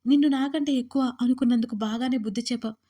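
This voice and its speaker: A woman's voice: on the high side, steady tone, racing, dark tone, lightly acted. A woman voicing a young woman who feels betrayed by her friend and speaks reproachfully through tears, in an audio story. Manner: tearful, reproachful.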